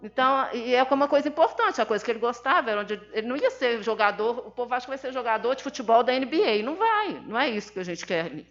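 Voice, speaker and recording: A woman's voice: a little high, lively intonation, quick pace, vocal fry, few pauses, a bit bright. A Brazilian woman, a mother, giving an emphatic, indignant personal testimony at a seminar, acting out the dialogue of her story. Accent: Brazilian Portuguese. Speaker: seminar speaker, mother of an autistic son. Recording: dull lo-fi sound.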